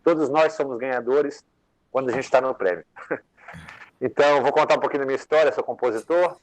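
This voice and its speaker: In rough-sounding audio, a man with a mid-range voice speaks briskly as a songwriter guest on a live panel. He discusses his work in a rambling, conversational way, leaning heavily on fillers in casual interview style.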